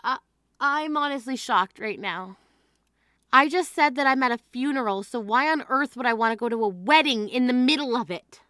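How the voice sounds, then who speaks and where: A woman voicing an indignant young sister in mourning, scolding with a high, bright, forceful voice. The sound is dry and close, with no room around it. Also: normal speed, no echo. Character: exasperated grieving sister at funeral. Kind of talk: scripted drama dialogue.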